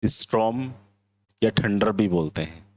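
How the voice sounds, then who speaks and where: A man's voice: on the low side, animated, a little slow, darkish tone. A man teaching English vocabulary in Hindi, explaining word by word and mixing in simple English phrases with an Indian accent. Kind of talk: classroom vocabulary lesson.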